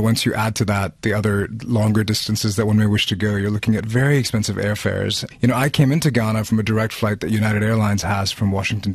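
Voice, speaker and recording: A man's voice: on the low side, slightly rough, no room sound. Thoughtful man on a dry mic. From Pakistan. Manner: thoughtful, measured, with small restarts. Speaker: freelance reporter, guest. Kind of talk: conversational podcast interview.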